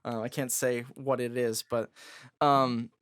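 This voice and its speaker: Raspy-voiced man, jokey and loose. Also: level tone, unhurried, fairly bright tone. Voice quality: raspy, higher voice. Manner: loose and jokey, lots of fillers. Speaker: guest musician. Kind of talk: casual podcast conversation.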